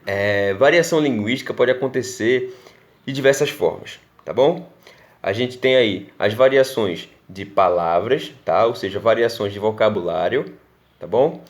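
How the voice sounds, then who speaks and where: A man's voice: on the low side, measured pace. A male teacher with a Pernambuco Brazilian Portuguese accent giving a recorded class lesson, explaining step by step and checking in with his students often. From Northeast Brazil.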